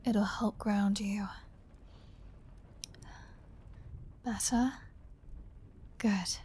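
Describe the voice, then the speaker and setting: Slow, breathy, flirty vampire seductress played by a woman. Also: medium pitch, steady tone, darkish tone, a little hiss or hum, lightly acted. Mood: pleased, seductive. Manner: teasing, breathy, slow, dominant. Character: flirty, predatory female vampire toying with a hunter. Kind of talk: intimate ASMR audio roleplay, often whispered.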